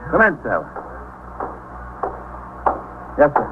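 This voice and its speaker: A chatty police lieutenant, lively pitch, fast talk, tinny radio sound. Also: male voice. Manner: chatty, animated. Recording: tinny old radio recording with faint hiss.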